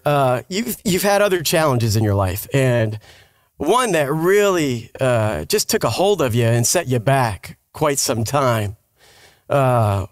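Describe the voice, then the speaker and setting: A man co-hosting a podcast in casual interview chat, halting, informal and jokey. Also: mid-range voice, dry recording, clean studio sound. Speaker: podcast co-host.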